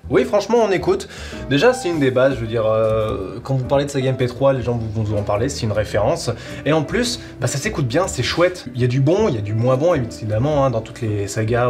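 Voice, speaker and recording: A man's voice: mid-range voice, animated, a little fast. A man presenting a casual, enthusiastic review of an audio series in an informal way. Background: music.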